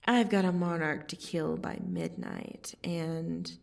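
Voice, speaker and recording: A woman playing a menacing yet softening vampire assassin in an ASMR roleplay, intimate and deliberate, often slipping into a breathy whisper. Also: fairly low pitch, fairly even intonation, far from the mic. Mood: coolly threatening. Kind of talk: ASMR roleplay, scripted dramatic monologue.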